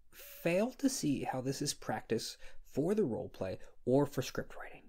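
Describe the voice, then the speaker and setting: A man playing a shy, flustered, insecure young scriptwriter in an intimate ASMR roleplay, speaking hesitantly with a husky, creaky voice. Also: mid-range voice, darkish tone. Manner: hesitant, halting. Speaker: audio roleplay performer. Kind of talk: ASMR roleplay, intimate one-sided dialogue.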